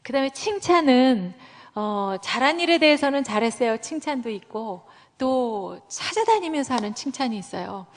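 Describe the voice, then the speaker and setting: Animated woman preaching in a reverberant hall. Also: high voice, moderate pace. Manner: animated storytelling, acting out quoted voices. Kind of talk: sermon.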